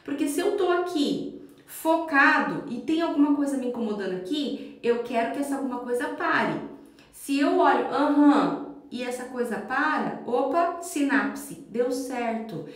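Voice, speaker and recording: A parenting educator in her thirties gives a lively instructional talk on a live stream, acting out yelling parents and children. Her voice is high-pitched and unhurried, and the audio is very echoey.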